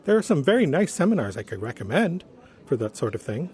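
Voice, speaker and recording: Prim polite hr guy, earnest n gentle, very up and down voice, audio drama. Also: on the high side, very animated. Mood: puzzled, prim. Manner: polite, prim, measured wording. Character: earnest, gentle, prim former human resources director. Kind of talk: audio drama acting as interview guest.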